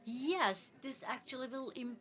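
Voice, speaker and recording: Woman interpreting live in halting phrases. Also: high-pitched, fairly bright tone. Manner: halting phrasing with restarts and fillers. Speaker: simultaneous interpreter at a panel.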